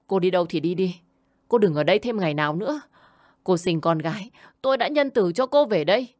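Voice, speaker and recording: A woman voicing a furious older mother-in-law who wails and shouts as she scolds. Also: medium pitch, dry recording, clean studio sound, pitched above the performer's own voice, lightly acted.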